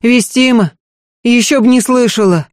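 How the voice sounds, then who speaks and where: A woman reading an audiobook voices a fussy, tearful peasant maidservant who laments in a rapid, folksy rush. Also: a little high, no echo, clean studio sound, voice pushed up, natural voice. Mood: wailing fuss.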